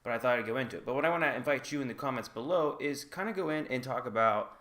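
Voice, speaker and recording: Bright-voiced guy vlogging. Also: medium pitch, fast talker. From United States. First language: English. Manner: chatty and candid, hedging with "like" and "I guess". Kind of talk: casual talk to camera.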